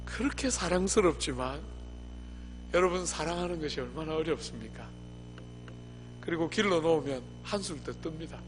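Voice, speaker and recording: High voiced guy preaching, jokey stories, asks the crowd stuff, church echo, faint hum. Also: expressive, moderate pace, long pauses. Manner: humorous storytelling, rhetorical questions to the congregation. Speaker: pastor. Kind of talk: sermon. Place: church sanctuary.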